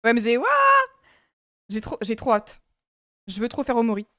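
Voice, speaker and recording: Giggly high-voiced young woman streamer. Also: fairly even intonation, moderate pace, no room sound, clean studio sound. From France. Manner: giggly, chatty, reacts to viewers. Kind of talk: casual live-stream chat.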